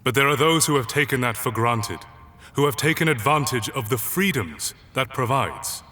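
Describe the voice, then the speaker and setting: Stern, bright-voiced authoritarian leader. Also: male voice, medium pitch, lively intonation. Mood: solemn, commanding. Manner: measured, pompous, deliberate. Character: stern, controlled authoritarian leader presiding over a trial. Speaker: presiding official. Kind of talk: formal public address in audio drama. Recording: long hall reverb, faint music behind.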